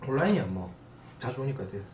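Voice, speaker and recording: Fast-talking young man, echoey and off mic. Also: medium pitch, big pitch swings, a little mellow, recorded from a distance. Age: 20s. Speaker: guest, gamer. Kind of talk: casual chat. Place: small indoor streaming room. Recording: echoey room, off mic, faint noise.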